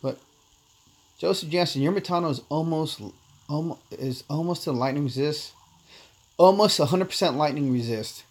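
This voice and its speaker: A man's voice: a little high, normal speed. A man born in Korea, first language Korean, casually chatting with viewers while streaming a mobile game. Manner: laid-back, chatty, calls viewers "man", reads chat aloud. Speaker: livestream host. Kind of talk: casual gameplay livestream chat.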